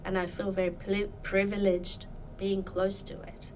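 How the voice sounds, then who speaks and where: A woman's voice: medium pitch, flat delivery, a little slow, a little mellow, recorded from a distance, a little hiss or hum, low-quality recording. A woman from Iran, a podcast guest, talking about her life in a thoughtful, hesitant way with many fillers. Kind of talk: casual interview chat.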